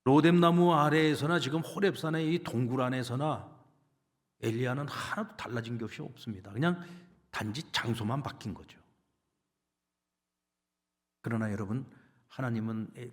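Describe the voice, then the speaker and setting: A male pastor giving an emphatic, animated sermon. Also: mid-range voice, moderate pace. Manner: emphatic, animated preaching with acted quotes.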